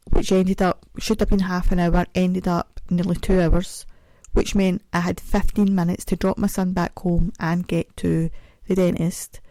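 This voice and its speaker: A woman's deep, mellow voice carries her home podcast, a casual and self-deprecating ramble delivered carefully because dental work has left her mouth sore. She chats away and sings bits of songs, captured in a dry, low-quality, audio-only recording.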